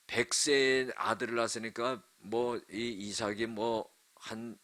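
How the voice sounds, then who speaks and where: A man's voice: fairly low pitch, bright, forceful tone. A male pastor preaching a sermon, telling the story dramatically and emphatically while addressing the congregation.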